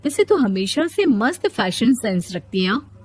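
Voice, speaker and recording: A cheerful young female friend, played by a woman in an animated story. Her voice sits fairly high. She chatters casually and warmly. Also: measured pace, breathy edge, full character voice. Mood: chatty.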